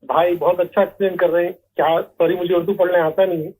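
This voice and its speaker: A man's voice: high-pitched, level tone, a little mellow, husky, poor audio. A man calling in to a talk show, talking politely in a rambling, hesitant way. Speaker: caller. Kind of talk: phone-in call.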